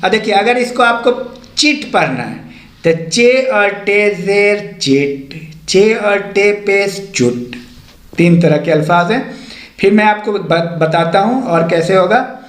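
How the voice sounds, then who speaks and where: A man's voice: high-pitched, lively intonation, takes it slowly, roomy sound. A man teaching an Urdu lesson, patiently repeating letter names step by step.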